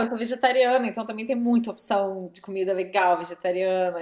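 A woman talks at a fairly quick pace. Noticeable background noise can be heard behind her. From Brazil, Rio de Janeiro. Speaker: advertising professional. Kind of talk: casual chat.

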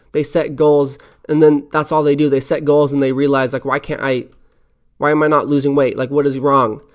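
A man with a fairly high pitch and an American accent, at a fairly quick pace against a quiet background. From Oregon, US. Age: 20s. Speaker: fitness coach. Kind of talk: solo podcast monologue. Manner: casual, energetic.

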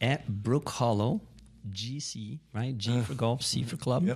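A man's somewhat breathy, medium-pitched voice with a Brazilian accent, fairly slow, with ordinary pitch variation. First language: Portuguese. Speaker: racquet sports director. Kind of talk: interview. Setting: studio.

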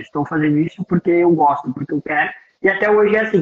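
This man speaks at a very fast pace. His pitch is high, with ordinary variation. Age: 20s. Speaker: psychotherapist and hypnotherapy teacher. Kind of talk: interview.

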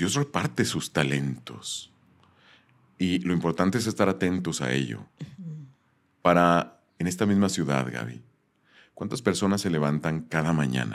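On a very clean recording with a silent background, a man with a very deep, low pitch and vocal fry speaks at a fairly slow pace, with very wide pitch swings and long, frequent pauses. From Chihuahua, Mexico. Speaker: voice actor and announcer. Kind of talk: interview.

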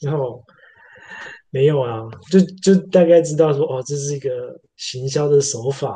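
Speaking with a Taiwanese accent, a man with a fairly high pitch and a dark, mellow, somewhat breathy tone talks at a fairly slow pace with ordinary pitch variation and long, frequent pauses. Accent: Taiwanese Mandarin. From Taiwan, Taoyuan. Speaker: podcast producer. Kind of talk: casual chat. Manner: hesitant, many fillers.

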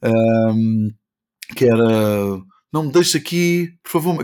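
On a very clean recording with a silent background, a man with a European Portuguese accent uses lively intonation. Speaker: voice actor and dubbing director. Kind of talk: casual chat.

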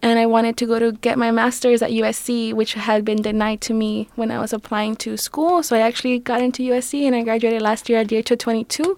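A woman talks at a fairly quick pace with fairly even intonation and a fairly high pitch. Hers is an unremarkable speaking voice. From Guatemala, raised in California from age 9. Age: 20s. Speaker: immigrant rights youth organizer. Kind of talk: radio panel discussion.

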